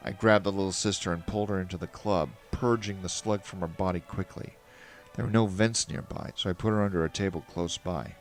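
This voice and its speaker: A man with a lowish voice reads a first-person fan fiction story aloud. His telling is wry and earnest. Faint music plays underneath. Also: steady tone, fairly quick. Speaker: narrator.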